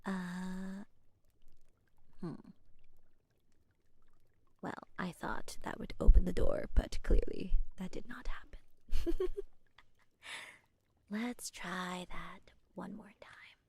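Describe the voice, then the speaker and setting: A woman's voice: on the low side, drawn-out words, gravelly, pauses often, darkish tone, husky, no room sound, full character voice. A woman whispering in the role of a friendly, playful young witch shopkeeper who teases and giggles. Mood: whispery. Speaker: ASMR roleplay creator. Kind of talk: ASMR roleplay.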